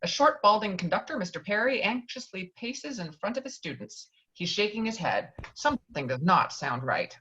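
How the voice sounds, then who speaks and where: A woman's voice: medium pitch, sing-song, normal speed, hardly any pauses, sharp tone. A woman narrating stage directions from a screenplay in a table read. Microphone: virtual table read over video call. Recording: dull lo-fi video call audio.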